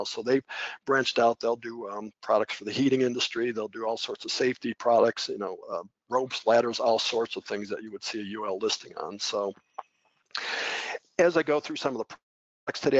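A man's voice: lowish voice, dry recording. A middle-aged man giving an unscripted training webinar over slides, folksy and conversational with frequent fillers and restarts. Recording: dull, dry webinar audio.

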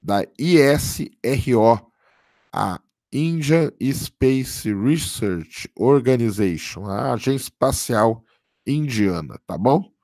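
Man, hoarse, casual livestream host, mid pitch, dry close sound. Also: expressive, slow pace, darkish tone, no room sound. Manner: casual, keeps adding "tá?" for confirmation. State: hoarse from a cold. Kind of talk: live commentary reading viewer chat.

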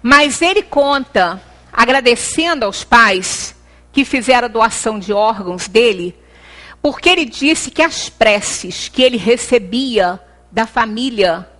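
A middle-aged woman with a Brazilian Portuguese accent gives an earnest devotional talk in a meeting room, pausing and restarting often, picked up by a far camera. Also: fairly high pitch, lively intonation, a bit bright. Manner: earnest, gesturing, many pauses and restarts. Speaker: lecturer at a spiritist center.

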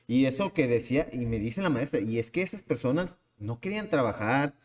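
A man's voice: medium pitch, lively intonation, brisk, a little mellow. Rambling man with hall reverb. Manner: rambling, restarts often, asks himself questions. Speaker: podcast host. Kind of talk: casual opinion monologue.

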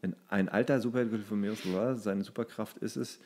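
Male podcast co-host, fairly low voice, casual conversation mixed with reading aloud. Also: fairly even intonation, moderate pace, darkish tone.

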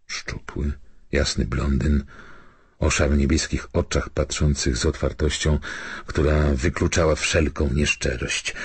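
A man narrates a novel in an extremely low voice. It is rough and very husky, recorded dry and close, with the style of scripted literary reading. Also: dry recording. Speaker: audiobook narrator.

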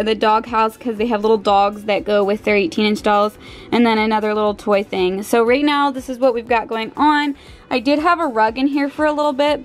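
A chatty young mother talks through her home in a relaxed vlog voice. Her voice sits a little high for a woman, and she explains things casually as she goes. The sound is a bit distant from the mic. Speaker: vlogger, mother of three girls. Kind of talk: casual organizing vlog narration. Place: small home, indoors.

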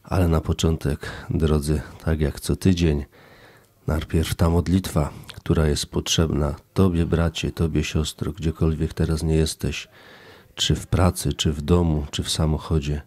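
Low-voiced priest on the radio, flat steady prayer leading, dry studio sound. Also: male voice, a little slow, no echo. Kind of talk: radio show closing remarks and leading a spoken prayer.

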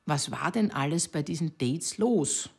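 A woman asking gentle questions as an off-camera interviewer. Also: low voice, expressive, a little slow, creaky, breathy edge.

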